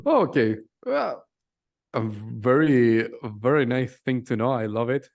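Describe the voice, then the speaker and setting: A man from Chile, a podcast guest speaking halting English with many restarts. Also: mid-range voice, animated, creaky, darkish tone. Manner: hesitant, halting non-native English with restarts. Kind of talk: casual podcast conversation.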